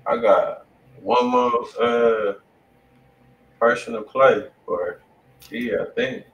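A man's voice: mid-range voice, slow pace, creaky, a bit bright. An American man hosting a music review livestream, chatting casually in slangy, profane talk. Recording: echoey room, distant mic, faint noise.

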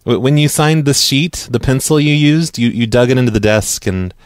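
A man prank calling a stranger, stammering and halting in a mock-earnest tone, heard close on his own mic. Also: mid-range voice, no room sound. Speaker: prank caller. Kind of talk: prank phone call.

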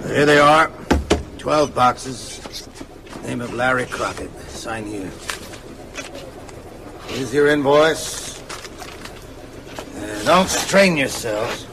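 An actor playing an offhand, unhurried male freight clerk in a radio drama. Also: medium pitch, lively intonation, background noise.

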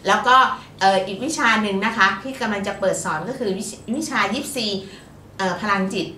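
A woman's voice: mid-range voice, a little fast, pushed and bright, distant mic, slight background noise. A woman co-hosting as an astrologer, talking in a chatty, upbeat way and laughing easily. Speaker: astrologer co-host. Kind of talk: casual chat. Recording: echoey room, voice from off-mic.

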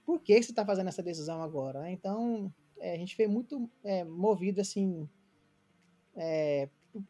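A man's voice: high voice, animated, normal speed, mellow. A Brazilian man in his late thirties from Goiânia, an interview guest telling his story earnestly and reflectively, with many fillers and restarts. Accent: Brazilian Portuguese. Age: late 30s. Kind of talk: casual remote interview, storytelling.

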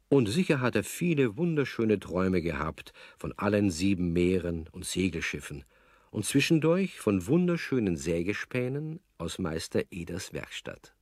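A man's voice: deep voice, a little mellow, no room sound, clean studio sound. A man narrating a children's story as a scripted narrator, speaking directly to young listeners.

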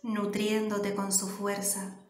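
Slow, calm woman guiding a meditation. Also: mid-range voice, a little hiss or hum. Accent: Canary Islands Spanish. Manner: slow, soft, calm instructions with long pauses. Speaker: meditation guide. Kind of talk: guided meditation. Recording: roomy echo with soft music behind. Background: soft background music.

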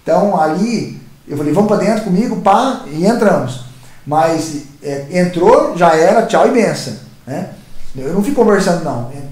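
A Brazilian man hosts his own channel and tells stories in a loose, rambling monologue, often stumbling and repeating himself. His voice sits high for a man. The sound carries a noticeable room echo. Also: darkish tone. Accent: Brazilian Portuguese. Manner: rambling, repeats and restarts words, talks straight to viewers. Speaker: YouTube channel host. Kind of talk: casual storytelling monologue. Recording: roomy echoey sound.

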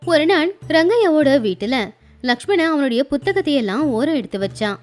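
High-voiced woman narrating a story. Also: sing-song, normal speed. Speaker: narrator and mother. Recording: faint music underneath.

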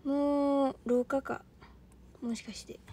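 A woman's voice: high-pitched, fairly even intonation, slow, dark tone. A young woman with a Kansai accent, chatting on a livestream as an idol trainee, rambling and laughing often while thanking viewers. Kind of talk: casual livestream chat.

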